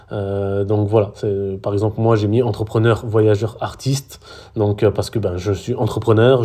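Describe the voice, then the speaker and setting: Guy explaining stuff in a tutorial, deep-ish mellow voice, lots of euh and restarts. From France. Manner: hesitant, many fillers and restarts. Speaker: social media coach. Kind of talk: casual screen-recorded tutorial.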